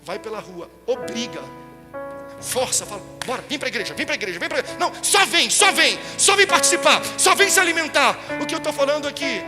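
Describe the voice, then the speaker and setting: A man's voice: very high-pitched, sing-song, fairly quick, big-room sound, music in the background. A man with a Brazilian Portuguese accent, a pastor telling a story and preaching a sermon that builds to impassioned peaks. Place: large church hall.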